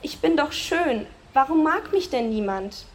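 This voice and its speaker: A woman's voice: sits high, animated, a little slow, slight background noise, voice pushed up. A woman voicing a vain, lonely young male rainbow fish in a storybook read aloud, pleading in a raised voice. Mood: anguished.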